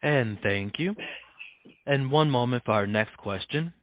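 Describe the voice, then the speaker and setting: A man's voice: mid-range voice, unhurried, no room sound. A man making scripted announcements as a conference call operator, with slightly dull audio.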